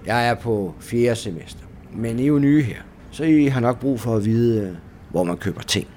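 A man voicing a discreet older student who sells smuggled goods in a soft-spoken salesman way. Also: medium pitch, animated, a little hiss or hum, close to an everyday voice. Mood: smooth, selling. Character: smooth, discreet teenage boy dealer.

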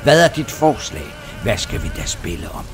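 A man voicing an ancient male demon who owns the land, speaking in measured, riddling, quietly menacing lines in a storybook reading. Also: fairly low pitch, sing-song. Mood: commanding. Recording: music playing underneath.

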